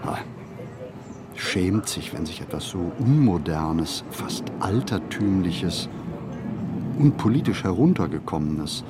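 A man playing a pensive city wanderer in a radio play, narrating a literary monologue with deliberate, measured phrasing and pauses. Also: deep voice, expressive, background noise. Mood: reflective. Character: pensive male city wanderer musing on modern life. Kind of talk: scripted literary monologue, reflective first-person narration.

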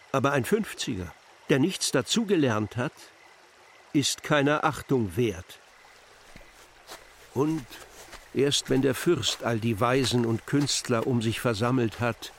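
An actor playing Confucius as a stern old sage, measured, didactic and solemn, in a literary radio drama. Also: male voice, mid-range voice, slight background noise, close to an everyday voice. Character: Confucius, stern old Chinese sage teaching his disciples.

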